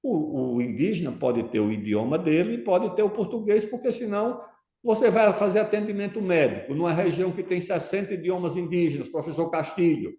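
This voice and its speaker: A man with a fairly high yet mellow, warm voice talks as an interview guest. He makes his points emphatically and keeps pausing to check his listener is following. The sound is roomy, with a noticeable echo. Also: animated. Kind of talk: conversational interview answer.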